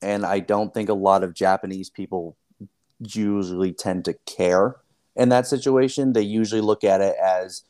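A fairly low-pitched man joins a podcast as a guest and chats loosely about anime fandom. He hedges a lot, trailing off into small laughs and vague asides. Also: steady tone, moderate pace, warm tone. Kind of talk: casual podcast chat.

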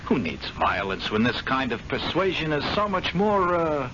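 An actor playing a smooth, sneering gambling-club blackmailer who gloats in an old radio drama. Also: male voice, a little high, big pitch swings, moderate pace. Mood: gloating. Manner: silky, gloating, amused. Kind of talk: 1970s radio drama acting. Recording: lo-fi vintage radio with clear hiss.

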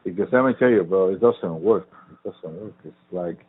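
A man in casual chat, talking in a profane, animated rant that trails off and picks back up. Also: sits low, moderate pace, breathy edge. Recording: tinny phone-like sound.

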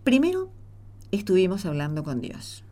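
A woman's voice: mid-range voice, wildly swooping pitch, normal speed, dark tone. An actress playing a defiant, earnest neighborhood woman in a radio play, insistent and emphatic. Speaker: actor in radio drama. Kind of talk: Spanish-language radio theatre acting.

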